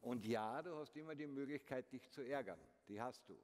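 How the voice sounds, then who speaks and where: A man's voice: medium pitch, fairly quick, a little mellow. Man giving a talk in a reverberant hall. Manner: direct, addresses audience as du, rhetorical questions. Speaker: keynote speaker. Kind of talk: motivational talk. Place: large concert hall stage. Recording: long hall reverb, faint noise.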